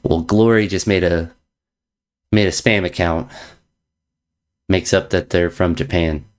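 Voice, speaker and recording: A man's voice: low voice, fairly even intonation, unhurried. A man streaming chess, chatting casually with viewers in a playful, teasing way, repeating jokey slang phrases. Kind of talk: casual chat reading viewer messages.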